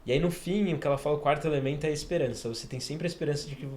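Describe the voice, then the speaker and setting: A man's voice: on the high side, racing, darkish tone. A Brazilian man hosting a podcast. He eagerly explains an idea step by step in a casual way. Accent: Brazilian Portuguese. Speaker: podcast host.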